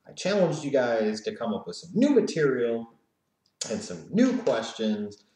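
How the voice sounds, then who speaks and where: A man's voice: mid-range voice, very animated, a little slow, mellow, echoey room, poor audio. A man hosting a casual Q&A show, reading viewer questions and answering with jokes and frequent laughter. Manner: joking, laughing, mocking. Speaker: host. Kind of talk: casual Q&A commentary.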